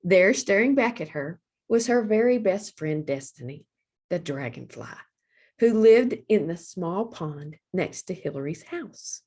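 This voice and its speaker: A woman hosting storytime, reading a children's picture book aloud in a deliberate, expressive storytelling manner. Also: on the low side, slightly rough. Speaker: storytime host, librarian.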